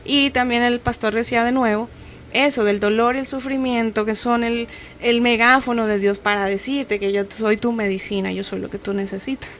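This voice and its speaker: A woman's voice: fairly high pitch, steady tone, moderate pace, a bit bright, a little hiss or hum. A young woman with a Dominican accent giving a personal faith testimony as a radio guest, telling her story earnestly and acting out the dialogue she quotes.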